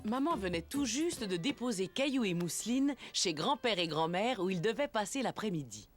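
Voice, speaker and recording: A gentle storybook narrator, voiced by a woman, with expressive, lively intonation at middle pitch. She tells a small child's tale over clear background music. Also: normal speed, lightly acted. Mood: gentle storytelling. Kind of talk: French-language scripted children's story narration.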